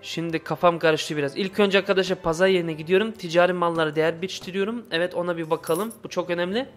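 A man with a slightly high voice hosts a casual gaming video. His Turkish is imperfect and halting, with word forms that come out muddled, as he comments on his play. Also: steady tone, faint music behind. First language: not Turkish, speaks imperfect Turkish.

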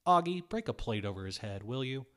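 A man's voice: medium pitch, very animated, fairly quick, fairly bright tone. A man voicing a feisty young woman cook in a story, pert and defiant. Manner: pert, sassy.

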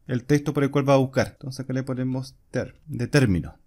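A man's voice: mid-range voice, fairly even intonation, fairly quick, darkish tone. A man, explaining a coding screencast step by step while he types. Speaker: programming instructor. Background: keyboard typing and clicks.

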